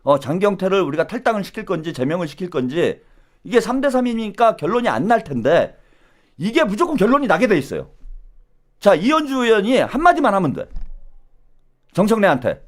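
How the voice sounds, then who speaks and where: A middle-aged man hosting a live political commentary stream, animated and taunting, who keeps tagging his lines with "eh?". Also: sits high, a little fast. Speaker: political commentary channel host.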